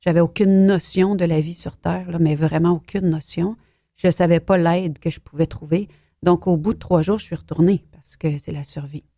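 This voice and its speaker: Soft-spoken low-voiced woman from Belgium. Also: steady tone, moderate pace, no echo, studio quality. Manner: soft-spoken, hesitant, drops to near whisper. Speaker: author guest. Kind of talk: personal testimony in an interview.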